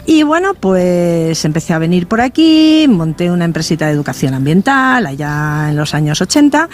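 An older woman with a Madrid accent, a biologist and teacher, telling her story as a radio guest with lively humor. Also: on the low side, moderate pace. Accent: Madrid Spanish. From Madrid, Spain. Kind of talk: casual interview chat. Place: village square outdoors.

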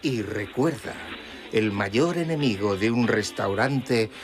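An actor playing a slick, sensationalist reality TV presenter, narrating dramatically with a Castilian Spanish accent. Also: male voice, fairly low pitch, lively intonation, takes it slowly. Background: music.

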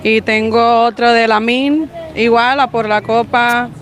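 A fan from Rico, chatting quickly and casually in a street interview. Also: medium pitch, fairly even intonation, a bit bright. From Puerto Rico. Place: outdoors by a hotel, street traffic.

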